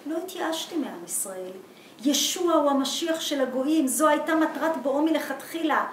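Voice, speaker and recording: A woman's voice: high-pitched, lively intonation, voice pushed up. A woman voicing a small, weary, fervent wandering preacher in a novel reading, insistent, in an echoey room. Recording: echoey room, distant mic, background noise.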